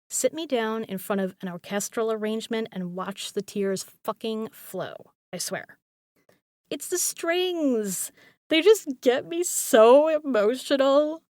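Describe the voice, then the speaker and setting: A woman's voice: mid-range voice, darkish tone, no room sound, clean studio sound, close to an everyday voice. A woman acting a caring, teasing young roommate in an intimate audio roleplay, speaking casually with playful emphasis and some swearing. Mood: animated, confiding.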